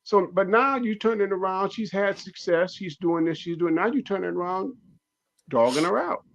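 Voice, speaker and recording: A man's voice: sits high, normal speed, gravelly, highs cut off. A man in his sixties, a comedian guest on a talk show, speaking emphatically and repeating his points. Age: 60s. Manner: emphatic, preachy, repeats phrases. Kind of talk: casual radio talk show discussion.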